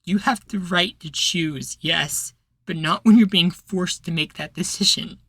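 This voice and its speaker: A man acting a troubled, self-doubting rebel leader with a hushed, halting delivery in an ASMR roleplay. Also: high-pitched, slightly rough, no echo, heavily acted. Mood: grave, insistent.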